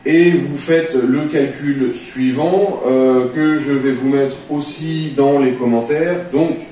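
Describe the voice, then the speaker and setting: A man's voice: mid-range voice, steady tone, slow pace, dark tone. A man presenting an informal spoken tutorial, explaining things in a practical, step-by-step way. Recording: very echoey room, distant mic, faint noise.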